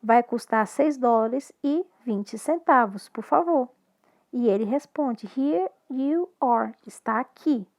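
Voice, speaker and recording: A female English teacher with a Brazilian Portuguese accent records a lesson, switching between English and Portuguese. She talks slowly and clearly in a slightly high voice.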